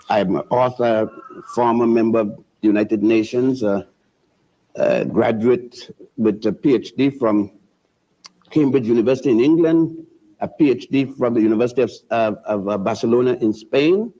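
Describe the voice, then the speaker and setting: Older man lecturing, dark lo-fi tone. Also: mid-range voice. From Puerto Rico. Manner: professorial, spells words out, halting restarts. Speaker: guest historian. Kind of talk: lecturing TV interview. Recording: dull lo-fi TV audio.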